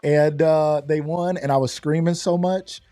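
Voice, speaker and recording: A middle-aged man hosting a live online show, slightly hoarse from losing his voice, talking in an upbeat, chatty way and greeting viewers by name. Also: on the high side, fairly even intonation, unhurried, warm tone, no echo. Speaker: host.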